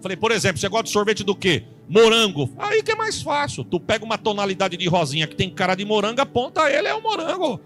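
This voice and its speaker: A Brazilian man preaching, telling a funny testimony and acting out the dialogue in an animated storytelling way. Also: high-pitched, fast, hardly any pauses, faint music behind. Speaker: pastor.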